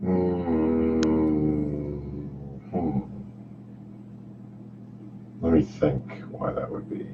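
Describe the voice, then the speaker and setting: A man's voice: rumbling low, steady tone, drawn-out words, pauses often, music in the background. A man co-hosting a live stream, swearing often and irritated at his gear, his voice muffled and distant like a cheap headset mic picking him up from across the room. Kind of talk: casual chat. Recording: dull, muffled mic with faint hum.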